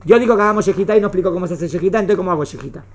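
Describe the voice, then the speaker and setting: A woman's voice: on the low side, very fast. A woman with a Rioplatense Spanish accent teaching a class, often checking whether her students have understood. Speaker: religious studies teacher. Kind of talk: classroom lecture.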